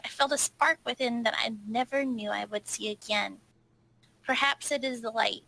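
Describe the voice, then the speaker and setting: A woman's voice: fairly high pitch, gravelly, sharp tone, slight background noise, poor audio. A woman playing an earnest, anxious female adventurer in a tabletop game. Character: worried, earnest female adventurer reading a friend's note.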